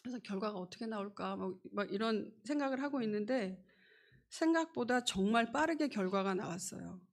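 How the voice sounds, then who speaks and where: A woman's voice: medium pitch, lively intonation, fairly quick. A middle-aged woman giving a personal healing testimony at church, earnest and acting out her own pleas.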